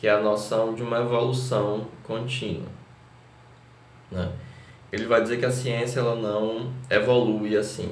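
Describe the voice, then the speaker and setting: Speaking with a northeastern Brazilian accent, the voice is monotone and flat at a fairly slow pace. Long, frequent pauses and audible room echo are heard. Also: man, medium pitch for a man. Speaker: epistemologist and lecturer. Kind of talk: reading aloud and explaining a viewer question.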